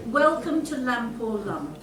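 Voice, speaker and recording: A woman's voice: on the high side, big pitch swings, a little slow. A woman playing an over-courteous, smarmy game show host in a comedy sketch. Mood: gushing. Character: polite, smarmy game show host of an antiques panto spoof. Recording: echoey room, distant mic, clear noise.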